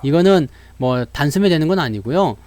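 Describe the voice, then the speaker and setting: A man's voice: a little high, animated, a little fast, a little mellow. A man giving a live stock market lesson, acting out investors' worries and answering them while talking straight to viewers. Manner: addresses viewers directly with frequent fillers.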